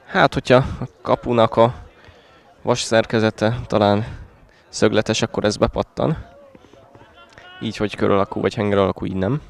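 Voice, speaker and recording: Creaky low-voiced male football commentator. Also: steady tone. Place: outdoors at a small football ground.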